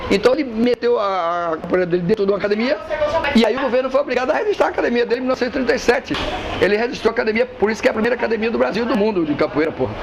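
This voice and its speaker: A man's voice: extremely high pitch, very fast, creaky, muffled recording. A man who teaches capoeira, speaking in a casual interview, emphatic and blunt, swearing freely. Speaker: capoeira master. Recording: street traffic noise behind.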